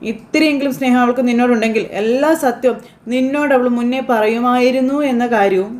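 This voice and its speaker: A woman voicing a bitter, scheming middle-aged mother who turns her son against his wife, read slowly with light acting. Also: on the high side, darkish tone, close to an everyday voice. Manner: slow, lightly acted reading of reported lines.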